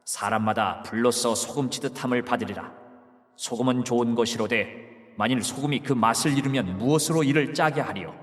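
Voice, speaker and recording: A man voicing Jesus, solemn and calm. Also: mid-range voice, in a large hall, close to an everyday voice. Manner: measured, solemn. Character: Jesus, calm authoritative male teacher. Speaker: voice actor. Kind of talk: dramatized Bible reading.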